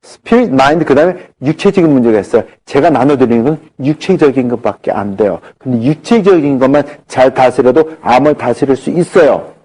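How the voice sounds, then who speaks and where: A man's voice: medium pitch, a little fast, breathy edge. A middle-aged man giving a health lecture, telling stories and acting out the dialogue in them. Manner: animated, acts out dialogue in his anecdotes.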